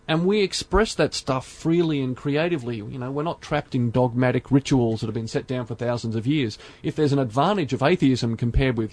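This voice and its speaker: A man hosting a podcast, speaking earnestly in measured phrases with frequent fillers. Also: mid-range voice, darkish tone. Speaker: podcast host. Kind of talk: casual podcast discussion.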